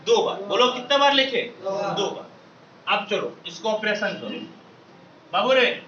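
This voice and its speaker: Male maths teacher, very high and bright, recorded from a distance in a roomy classroom; drills the class call-and-response style. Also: lively intonation, measured pace, highs cut off, slight background noise. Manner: quizzes students, repeats questions, calls them babu and beta.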